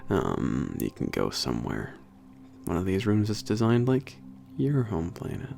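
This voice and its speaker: Man as a low, creaky-voiced, laid-back werewolf trainer. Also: huge pitch swings, heavily acted. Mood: relaxed, nostalgic. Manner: halting, mumbled, informal, trailing off. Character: laid-back, slightly gruff young male werewolf trainer at a spaceport. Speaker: workplace trainer. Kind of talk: casual ASMR roleplay. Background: soft background music.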